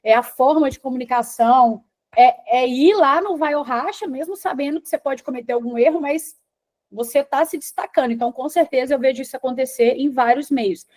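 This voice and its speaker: This is a Brazilian woman with a Brazilian Portuguese accent, guest in an interview and a teacher by trade. Her voice sits high, and she explains with calm confidence, stacking her points in tidy lists. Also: brisk. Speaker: English teacher and environmental engineer, guest.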